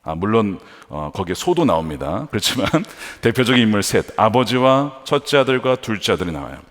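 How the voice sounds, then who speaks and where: A male pastor delivering a Friday-night sermon with a lively, sweeping delivery. His pitch moves a lot, climbing on emphatic lines and falling soft on conclusions. The sanctuary adds a long, hanging reverb to every phrase. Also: brisk. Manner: animated preaching, rising to emphatic peaks then dropping low. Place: large church sanctuary.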